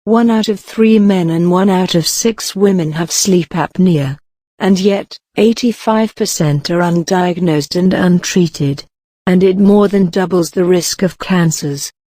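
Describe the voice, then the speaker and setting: A woman's voice: on the low side, measured pace, warm tone, no room sound. A woman giving a scripted read-aloud of factual passages as a model reader.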